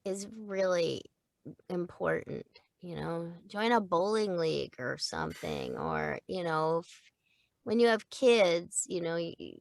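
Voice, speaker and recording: An older woman, a voice actor, chatting about her work in an animated, laughing way from a recording booth. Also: fairly low pitch, slow, vocal fry, no echo, clean studio sound. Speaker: voice actor guest. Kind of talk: casual interview chat. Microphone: studio microphone.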